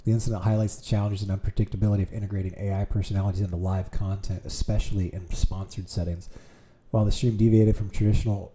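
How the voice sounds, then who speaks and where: A man's voice: on the low side, little pitch movement, quick pace, few pauses, warm tone, a little hiss or hum. A man streaming from home, reading aloud with amused reactions, with keyboard clicks nearby. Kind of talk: casual streaming commentary.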